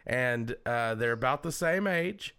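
Relaxed male podcast host. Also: medium pitch, measured pace, clean tone. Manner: storytelling, relaxed, with fillers. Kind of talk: casual chat.

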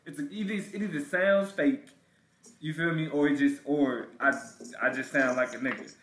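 A man's voice: a little high, fairly even intonation, moderate pace, fairly bright tone, slight background noise. A man with an African American accent chatting casually in a slangy, informal way, repeating words as he goes. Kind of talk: casual podcast chat. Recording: roomy, echoey sound.

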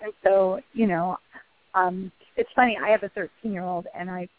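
A woman in her thirties with a husky voice, an actress guest talking casually in a rambling, chatty way with many restarts. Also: medium pitch, steady tone, moderate pace, no echo. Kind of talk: phone interview. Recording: tinny phone line.

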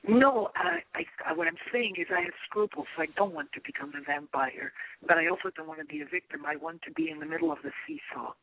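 A woman calling in to a radio show. Her voice is raspy and hoarse, and she talks in earnest, searching bursts. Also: lowish voice, very animated, quick pace, no echo. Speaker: caller. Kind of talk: call-in radio conversation. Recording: tinny phone line.

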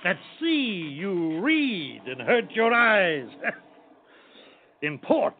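A man's voice: high voice, sing-song, very slow, heavily acted. An actor playing a scornful ship captain who barks orders and mocks his pilot, in the style of old-time radio drama. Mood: mocking. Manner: jeering, barking orders, laughing scornfully. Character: scornful mocking ship captain, gruff and blustering. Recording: tinny old lo-fi recording with faint hiss.

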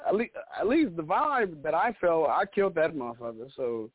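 A man's voice: on the high side, moderate pace, no echo. A man of about thirty from Chicago, a stand-up comedian telling rambling, profane stories as a guest. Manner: animated, profane, rambling storyteller. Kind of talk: casual interview storytelling. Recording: dry, phone-like narrow sound.

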